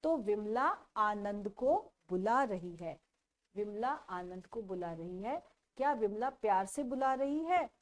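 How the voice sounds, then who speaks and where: Speaking at a medium pitch with lively intonation, a woman teaches a lesson from a children's textbook. She slowly repeats every question and answer for her young pupils.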